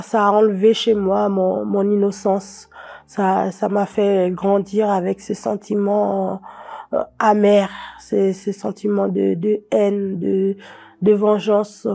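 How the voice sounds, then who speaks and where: Hesitant woman with a creaky, flat voice. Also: mid-range voice. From French Guiana. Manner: hesitant, many fillers and restarts. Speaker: guest giving a testimony. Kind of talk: personal testimony interview.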